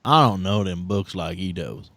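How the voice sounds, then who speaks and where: A man voicing a gruff, curt backwoods arms supplier with a folksy, ungrammatical way of talking, in a tabletop game. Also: deep voice, normal speed, a bit bright, no room sound, voice pushed down. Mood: gruff, grudging. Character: gruff, curt backwoods twin brother with explosives.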